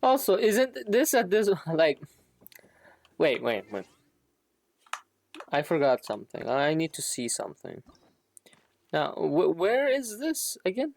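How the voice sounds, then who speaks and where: Slow-paced man streaming a game. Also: fairly high pitch, huge pitch swings, creaky, dry recording. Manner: rambling, thinking aloud, salty. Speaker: game livestreamer. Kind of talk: casual gaming stream commentary.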